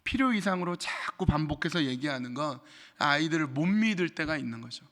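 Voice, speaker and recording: Bright-voiced man preaching in a hall. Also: fairly high pitch, lively intonation, a little fast. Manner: acts out quoted speech in changed voices; addresses the congregation directly with rhetorical questions. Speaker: pastor. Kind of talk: sermon. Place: church sanctuary.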